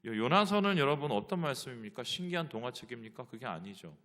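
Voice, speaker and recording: A man's voice: medium pitch, big pitch swings, fast, sharp tone. A male pastor preaching a sermon, asking the congregation rhetorical questions.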